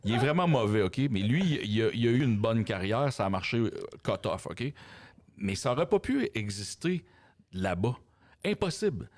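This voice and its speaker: A man's voice: lowish voice, big pitch swings, normal speed. A man with a Québécois French accent in a casual panel chat, blunt and slangy, swearing as he makes his points. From Quebec. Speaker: podcast panelist.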